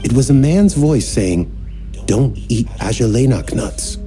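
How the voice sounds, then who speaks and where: A man acting an earnest young temple member in a video game, with a very soft, mellow tone and lively swings of pitch. He is wordy and formal, easily flustered and quick to apologize, with music playing behind him. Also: natural voice. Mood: earnest, troubled.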